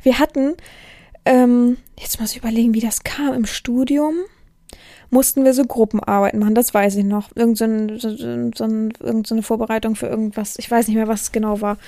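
A young woman tells a long story in a loose, chatty monologue. Her voice sits high, and she talks bluntly, with plenty of fillers and false starts. The sound is close and dry, with no room around it. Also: steady tone, a little fast, warm tone, dry recording. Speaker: podcast host.

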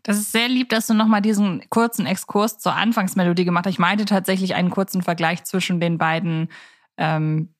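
A woman's voice: on the low side, steady tone, fairly quick. A woman speaks as a podcast co-host in a conversational style. She builds long, somewhat formal sentences and hesitates as she works through them. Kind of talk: casual conversational podcast talk.

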